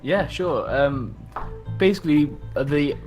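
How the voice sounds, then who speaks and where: A man's voice: a little high, a little slow, a little mellow, faint music behind. A man from South Wales with a valleys accent, chatting casually as a podcast guest and often chuckling as he talks. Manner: chuckles often while talking. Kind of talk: casual chat.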